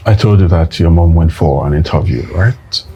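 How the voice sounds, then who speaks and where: A woman voicing a grave middle-aged father, who speaks slowly and hesitantly as he breaks bad news. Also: very deep voice, noisy background, pitched below the performer's own voice. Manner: slow, heavy, hesitant delivery. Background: music.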